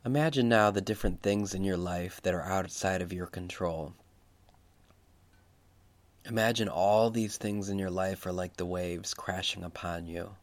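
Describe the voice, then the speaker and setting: A man speaking as a preacher leading a guided Christian meditation, reflective and unhurried, repeating phrases for emphasis. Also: low voice, fairly even intonation.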